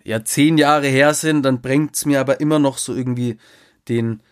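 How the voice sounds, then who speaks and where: Halting, reflective man. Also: medium pitch, fairly even intonation, clean tone. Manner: halting, with many fillers and restarts, reflective. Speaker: former drug user sharing experience. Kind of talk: casual reflective conversation.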